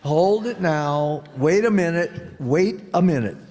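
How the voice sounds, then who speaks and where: A blustering, flustered husband. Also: male voice, fairly high pitch, animated, slow, a little mellow. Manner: blustery, exasperated, sputtering. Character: blustering, easily flustered middle-aged husband. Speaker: harried husband, new homeowner. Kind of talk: 1940s radio comedy acting. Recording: reverberant old radio broadcast with faint noise.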